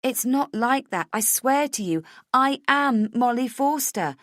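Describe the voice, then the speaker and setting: A woman's voice: medium pitch, animated, a little slow, no room sound, studio quality, pitched above the performer's own voice, lightly acted. A woman voicing a frantic, desperate woman in a dramatic audiobook, speaking urgently and insistently as if pleading to be believed. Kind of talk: dramatic audiobook character dialogue.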